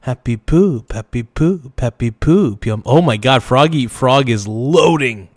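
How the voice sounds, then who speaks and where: Hoarse man, livestream host, rambling, thanking donors, dry close sound. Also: mid-range voice, animated, unhurried, no room sound. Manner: rambling, thanks donors loudly, chants silly phrases. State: hoarse, voice worn out. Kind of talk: casual livestream reaction.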